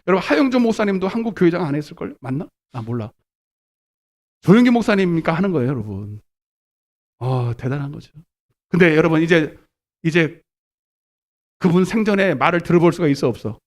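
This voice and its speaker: Animated male pastor preaching live. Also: on the high side, a little fast, pauses often. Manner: animated preaching, calls congregation to repeat, swings from shouts to murmurs. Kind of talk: live sermon. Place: church sanctuary.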